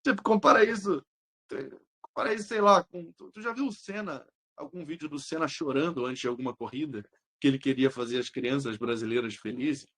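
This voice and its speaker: A young man with a Brazilian Portuguese accent, an exam-prep teacher talking casually with his students, blunt, slangy and quick to swear. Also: on the high side, a bit bright. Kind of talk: casual live chat answering students.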